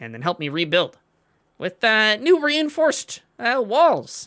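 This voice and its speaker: A man's raspy, put-on character voice at a moderate pace, with ordinary pitch variation. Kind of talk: tabletop game master character voice. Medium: actual play. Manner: rambling, hesitant with many filler sounds.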